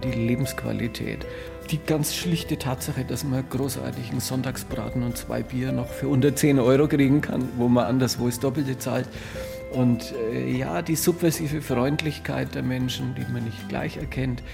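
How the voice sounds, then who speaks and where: A man giving an interview in a relaxed, ironic way. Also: mid-range voice, normal speed, vocal fry, over music.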